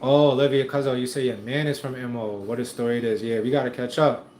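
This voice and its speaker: A man's voice: medium pitch, steady tone, fast, a little mellow. A man hosting a casual livestream from home, reading viewer comments in a laid-back, slangy way and chuckling often. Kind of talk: casual live chat. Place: room at home. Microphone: streaming setup. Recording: echoey room, faint noise.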